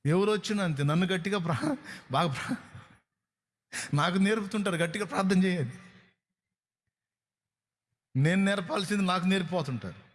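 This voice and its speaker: A man's voice: sits high, normal speed, long pauses. A man with a Telugu accent preaching a sermon, pressing his point with rhetorical questions and acting out what people say. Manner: emphatic preaching with rhetorical questions and acted-out quotes. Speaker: pastor.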